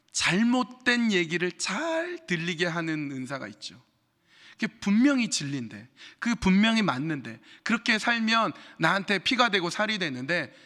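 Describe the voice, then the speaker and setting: A middle-aged man delivering a sermon as pastor, his voice fairly high and forceful, carrying a long hall reverb through the sanctuary. He speaks straight to the congregation, asks them questions, and slips into other voices to act out quoted speech. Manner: addresses the congregation directly with rhetorical questions. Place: church sanctuary.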